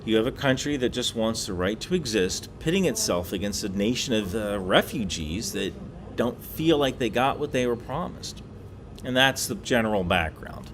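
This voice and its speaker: A man's voice: fairly low pitch, animated, moderate pace, a little hiss or hum. A man hosting a casual explainer monologue with wry asides and emphatic delivery, recorded on a laptop while away on a work trip. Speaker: YouTube explainer host.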